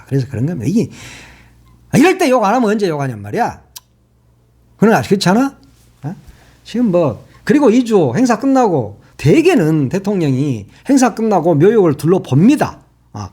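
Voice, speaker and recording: An older man who used to be a broadcast reporter delivers angry political commentary on his channel, cursing and firing off rhetorical questions. His voice is high and warm, with a breathy edge.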